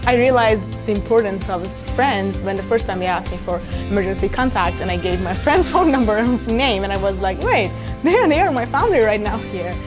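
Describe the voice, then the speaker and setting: A woman's voice: mid-range voice, expressive, a little fast, hardly any pauses. Reflective woman from Iran, music behind. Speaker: international student. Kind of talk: testimonial interview.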